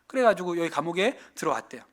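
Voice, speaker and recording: A male pastor preaching a sermon, telling a story with lively acted-out dialogue and sudden swings between loud and soft. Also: fairly high pitch, racing. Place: church sanctuary.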